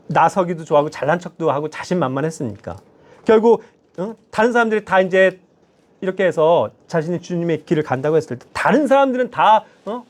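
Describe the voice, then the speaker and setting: A male lay preacher delivers a sermon in a church, animated and constantly checking in with his listeners. His voice sits high and leaps widely in pitch. He keeps the congregation engaged with short questions.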